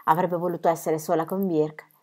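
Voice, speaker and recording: A woman narrating a children's novel, expressive and building in intensity during emotional passages. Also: fairly low pitch, normal speed. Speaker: audiobook reader.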